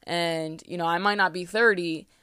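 Young woman, podcast host, rambling and candid, lowish voice, dry close sound. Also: fairly even intonation, moderate pace, fairly bright tone, clear, resonant tone, no room sound. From US East Coast. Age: 20s. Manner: candid, rambling, many fillers and restarts. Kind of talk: casual solo podcast monologue. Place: closet, small room.

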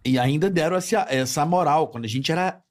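A man's voice: a little high, brisk. A man hosting a podcast, chatting casually and interjecting with easy swearing. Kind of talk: casual chat.

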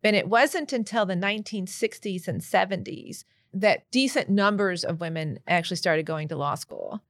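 A woman's voice: mid-range voice, normal speed, dry recording. Woman, middle-aged, podcast host, conversational, upbeat, dry close sound. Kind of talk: casual podcast discussion.

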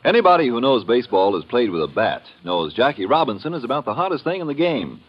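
A man's voice: mid-range voice, big pitch swings, quick pace, loud music behind the voice. A man with an American accent announcing and selling on 1950s radio in an emphatic, folksy way. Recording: dull old radio recording.

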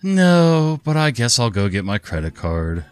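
A man's voice: mid-range voice, very animated, measured pace, clean tone, soft background music, voice pushed up. A man voicing a tired, entitled, sighing hotel guest who complains about everything. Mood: whiny.

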